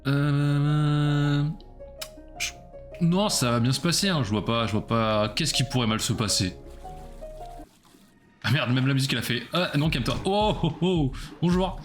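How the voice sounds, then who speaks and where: A man's voice: mid-range voice, unhurried, pauses often, faint music behind. A man casually commenting on his own gameplay during a live stream, chatty and self-mocking as he talks to his chat.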